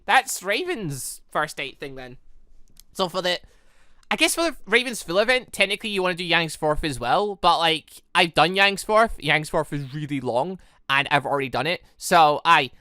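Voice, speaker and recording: A gaming video host giving casual, rambling and excitable playthrough commentary. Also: medium pitch, no echo, clean studio sound. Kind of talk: casual game playthrough commentary, reading dialogue aloud.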